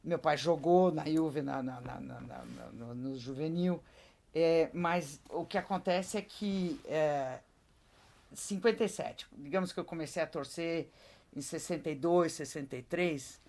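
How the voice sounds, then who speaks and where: A woman's voice: deep voice, expressive, measured pace, vocal fry, mellow. A woman, a podcast guest talking bluntly and emphatically in casual chat. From Brazil. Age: 60s.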